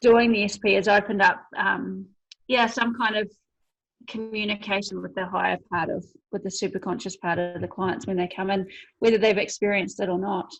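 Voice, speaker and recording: With a New Zealand accent, a woman talks at a moderate pace. Her medium-pitched voice shows ordinary pitch variation. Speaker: hypnotherapist. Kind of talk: casual interview chat. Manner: hesitant with frequent fillers.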